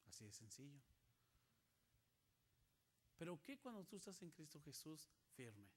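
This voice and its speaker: Male pastor, higher-pitched, emphatic sermon delivery with rhetorical questions and acted-out quotes. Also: big pitch swings, unhurried, slightly rough. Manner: acts out quoted voices, swinging loud and soft.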